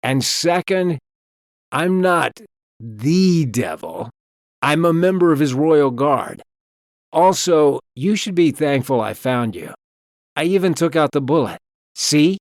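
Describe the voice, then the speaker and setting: Using a put-on character voice, a man speaks at a fairly high pitch and fairly slow pace, with long, frequent pauses. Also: very clean recording, silent background. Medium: read story. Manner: casual, folksy.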